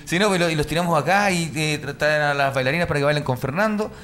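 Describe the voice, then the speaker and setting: A man's voice: on the high side, fast, a bit bright. A man hosting a casual comedy radio show, chatting in a joking, teasing, rambling way. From Mexico. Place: online radio studio.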